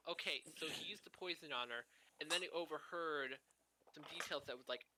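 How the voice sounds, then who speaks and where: A man's voice: on the high side, fairly quick, noisy background. A man casually explaining a game's story to his friend, rambling and restarting his sentences. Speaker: co-host guiding the player.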